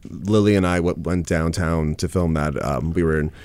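A man with a baritone voice, a musician guest chatting casually on a radio show and laughing easily. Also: steady tone, normal speed, darkish tone, dry recording. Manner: easygoing, laughs often.

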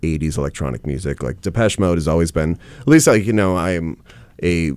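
A man with a baritone voice, a musician guest chatting casually on a radio show and laughing easily. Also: expressive, fairly quick, a little mellow, clear, resonant tone, no room sound. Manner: easygoing, laughs often.

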